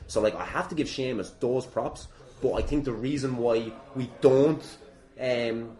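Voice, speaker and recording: A man's voice: mid-range voice, darkish tone. An Irish man hosting a podcast in casual conversation, emphatic and swearing freely, recorded in an echoey room. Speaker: podcast host.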